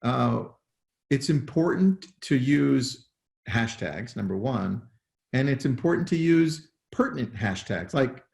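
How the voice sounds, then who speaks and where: Chatty host in an echoey room. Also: male voice, mid-range voice, lively intonation, takes it slowly, vocal fry, a little mellow. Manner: loose, repeats words while steering the talk. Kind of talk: casual interview chat. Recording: roomy echo.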